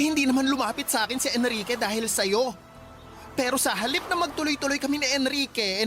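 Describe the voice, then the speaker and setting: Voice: medium pitch, lightly acted. An actor in a radio drama playing a sassy, wronged gay teenage boy who is fiery, sarcastic and theatrically taunting. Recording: loud music behind the voice.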